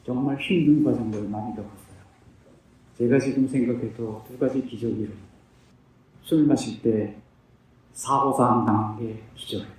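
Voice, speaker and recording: Recorded from a distance in a very echoey room, with a little hiss or hum, a man in his fifties shares his recovery testimony. He talks at normal speed in a medium, darkish voice, pausing often. His manner is earnest and plain, and he asks himself questions, then answers them.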